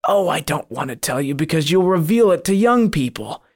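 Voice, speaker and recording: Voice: mid-range voice, animated, normal speed, pitched above the performer's own voice. A reader voicing a cowering devil cat. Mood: sly. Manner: reluctant, whining answers under threat.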